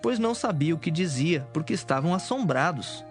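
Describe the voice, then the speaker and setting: A man narrating scripture from a script in a measured, solemn manner. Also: on the high side, expressive. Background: music.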